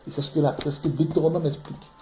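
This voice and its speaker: Soft background music accompanies a man from Ivory Coast who preaches very fast in a mellow, steady, highish voice. His bible teaching is impassioned and emphatic, full of repeated words as he gropes for them, recorded in an echoey London room.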